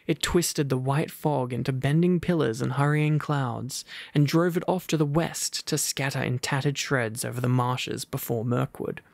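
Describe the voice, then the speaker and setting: A young man reading a book aloud in a soft, relaxed ASMR style, drowsy, with muttered asides. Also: mid-range voice, moderate pace, creaky, few pauses, dry recording. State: drowsy after a heavy meal. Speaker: ASMR roleplay storyteller.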